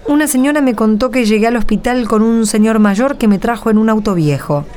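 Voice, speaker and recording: A woman's voice: a little high, fairly quick, darkish tone, lightly acted. A woman playing a worried, weary young mother in a radio drama, speaking hesitantly with an Argentine accent. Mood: troubled, weary. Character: Jimena, worried poor young mother, humble, weary, grateful.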